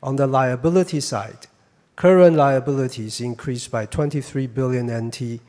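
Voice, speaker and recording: A male finance executive reads prepared results in a stiff, measured way. His voice sits at an average pitch and rings with long reverb, like a big conference hall. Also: a little mellow. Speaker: chief financial officer presenting results. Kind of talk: scripted financial presentation.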